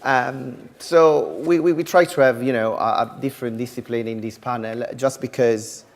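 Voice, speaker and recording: A man with an Italian accent moderates a conference panel, talking haltingly with many restarts. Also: mid-range voice, steady tone. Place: conference stage. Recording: reverberant hall.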